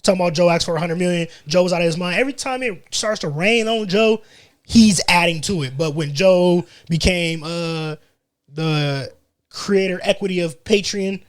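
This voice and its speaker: A man talking as a podcast guest in casual chat, animated and opinionated. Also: high-pitched, normal speed.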